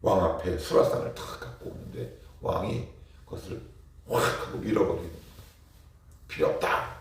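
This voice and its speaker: A man, a pastor, preaching at a morning prayer service, animated and emphatic, with rhetorical questions to the congregation. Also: low-pitched, moderate pace. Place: church sanctuary. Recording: echoey church hall, mic at a distance.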